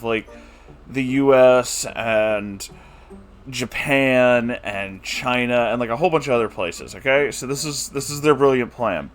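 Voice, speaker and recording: A man giving a comedic recap of a book chapter, exasperated and incredulous, with laughing asides. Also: medium pitch. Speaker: book reviewer.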